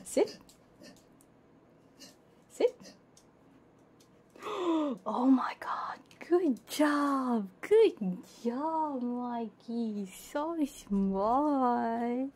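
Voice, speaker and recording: Slow, soft-toned woman livestreamer. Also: high-pitched, animated, husky. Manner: giggly, doting and playful, cooing to pet dogs. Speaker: livestreamer, ASMR VTuber. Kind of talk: casual livestream chat, often whispered. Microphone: binaural 3Dio ASMR microphone. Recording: faint background noise, live stream.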